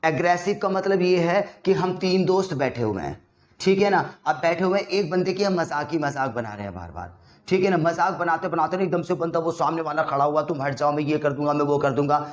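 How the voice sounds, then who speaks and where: A man in an echoey room gives a lively vocabulary lesson. His voice sits a little high for a man, and he acts out small scenes and quizzes his listeners as he goes. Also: brisk. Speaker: English vocabulary teacher. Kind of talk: casual Hindi lesson with acted-out examples.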